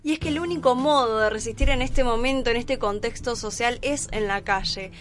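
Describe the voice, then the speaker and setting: A woman's voice: fairly high pitch, a little fast, faint music behind. A woman with an Argentine accent speaking as a radio host, commenting in conversational talk.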